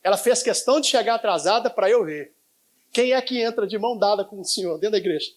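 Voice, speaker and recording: Male pastor, high-pitched, live sermon, call-and-response with the congregation. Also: fast. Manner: prompts the congregation to finish his sentences. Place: church in front of a congregation.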